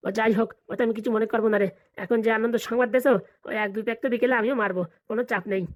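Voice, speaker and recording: A woman's voice: on the high side, fairly even intonation, a little mellow, natural voice. A woman voicing a scheming, money-hungry village father in a comedy cartoon, scolding and bantering. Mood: scheming, pleased. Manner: rapid, colloquial, bantering scolding.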